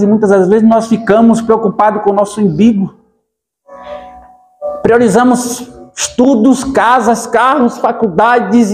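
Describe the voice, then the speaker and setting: A man with a Brazilian accent preaching a fervent sermon in a church, exhorting and rising to shouts. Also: high-pitched. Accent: Brazilian Portuguese. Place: church hall. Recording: roomy church hall, faint music.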